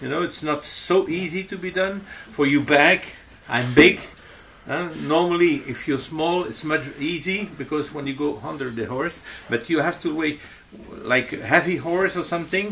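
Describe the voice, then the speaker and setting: Against noticeable background noise, a man with a fairly high pitch speaks at a moderate pace. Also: ordinary pitch variation. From Belgium. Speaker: blacksmith. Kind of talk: interview. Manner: halting.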